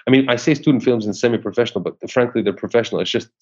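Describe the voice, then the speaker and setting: Racing along at a medium pitch with a darkish tone, a man from Syria who works as an actor answers interview questions hesitantly, restarting many times. The recording is muffled and low fidelity.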